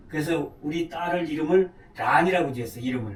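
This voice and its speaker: Noticeable background noise behind a fairly quick male speaker with normal pitch movement. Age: 70s. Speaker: retired pastor and missionary. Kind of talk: interview.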